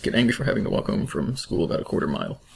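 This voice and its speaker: A man whispers. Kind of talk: casual spoken presentation to camera. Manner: whispered.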